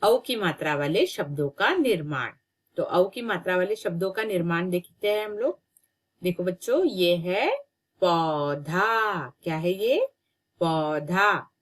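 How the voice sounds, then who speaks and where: A woman teacher giving a children's reading lesson, sounding out syllables slowly and repeating each word patiently. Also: fairly low pitch, lively intonation. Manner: slow, drawn-out syllables, patient repetition.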